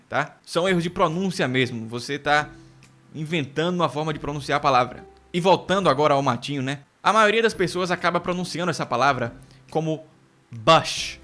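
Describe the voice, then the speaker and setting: Bright-voiced man teaching pronunciation. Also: a little high, soft background music. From United Kingdom. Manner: explanatory, repeats words slowly to model pronunciation. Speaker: English teacher. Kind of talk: online English lesson.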